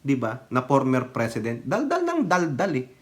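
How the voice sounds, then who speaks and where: A man's voice: mid-range voice, huge pitch swings, moderate pace. A Filipino-accented man in his fifties giving mocking, laughing political commentary in a casual vlog, switching languages and swearing. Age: 50s.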